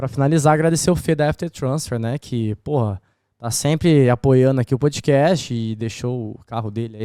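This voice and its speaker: With a Brazilian accent, the voice has a dark, mellow tone and a moderate pace. The recording is very clean with a silent background, and the sound is dry and close with no echo. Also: man. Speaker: podcast host. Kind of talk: sponsor thanks in casual podcast chat. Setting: live recording at venue in Galway. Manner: animated.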